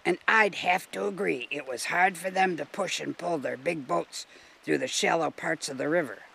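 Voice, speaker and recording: Man as creaky, grumbly old-river mussel. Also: on the high side, normal speed, pushed and bright, slight background noise, full character voice. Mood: explaining. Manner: emphatic, explanatory. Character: grumbly, knowledgeable male river mussel, nostalgic. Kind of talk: children's storybook dialogue.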